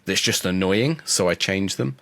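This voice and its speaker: Congested man with a low voice. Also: moderate pace, creaky, fairly bright tone, dry recording. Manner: chatty, with frequent restarts and laughs. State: congested from a cold. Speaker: podcast co-host. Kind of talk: casual podcast chat.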